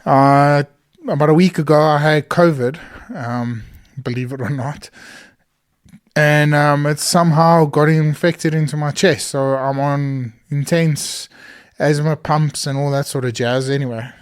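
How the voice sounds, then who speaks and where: Guy, hoarse voice, kinda high, chatting solo on his podcast in a studio. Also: steady tone, measured pace. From South Africa. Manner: earnest and enthusiastic, many fillers. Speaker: podcast host. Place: small studio.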